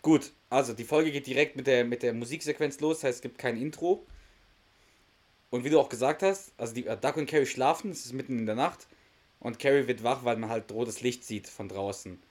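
A man's voice: medium pitch, a little fast, darkish tone. A man hosting a podcast, casually retelling a sitcom episode, often laughing and acting out the characters' lines. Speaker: podcast host.

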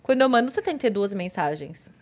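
A woman's voice: medium pitch, lively intonation, fast talker. A woman in a casual podcast chat, joking about herself in a playful way. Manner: self-mocking, playful.

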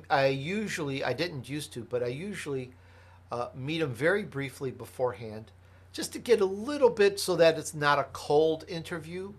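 A Chicago man with a slightly high, somewhat bright voice hosts a podcast and answers interview questions. He speaks earnestly and emphatically, building his points up as lists.

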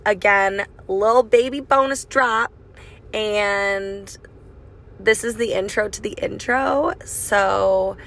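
A raspy young woman hosting a casual solo podcast, chatty and swearing freely, recorded on a phone mic in her car. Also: medium pitch, takes it slowly, fairly bright tone, slight background noise. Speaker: podcast host. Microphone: phone microphone.

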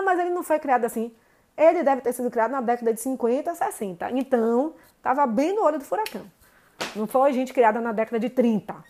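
A woman, telling a personal story to viewers in an indignant, animated way. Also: sits high. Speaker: vlogger.

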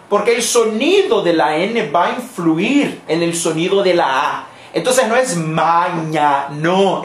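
A woman's voice: medium pitch, reverberant. A woman teaching Portuguese pronunciation in a live online lesson, explaining patiently and repeating the model words. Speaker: Portuguese teacher for Spanish speakers.

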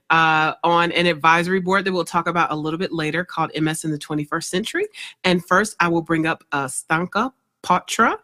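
Woman, upbeat host, video-call interview, bright tone, lowish pitch. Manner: upbeat, enthusiastic. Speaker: podcast host.

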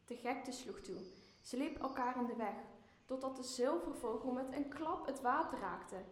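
A woman's voice: sits high, normal speed, natural voice. A young woman playing an obedient, inquisitive air spirit in a Dutch radio play, deferential to a master. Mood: willing, curious. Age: young adult. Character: obedient airy spirit servant, willing and inquisitive. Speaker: drama student actor. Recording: echoey room with faint noise.

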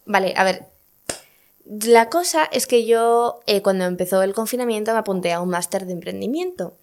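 Clear-voiced woman, hesitant guest. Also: medium pitch, lively intonation, moderate pace. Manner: hesitant, many fillers and restarts. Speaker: podcast guest, book recommender. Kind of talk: casual interview chat.

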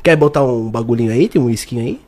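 A man telling stories in an animated, laughing, slangy way. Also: medium pitch, fast talker. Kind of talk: casual storytelling chat.

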